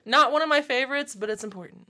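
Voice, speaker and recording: A woman's voice: high voice, quick pace, sharp tone. A woman talking as a knowledgeable fan in a casual group chat, blunt, opinionated and teasing.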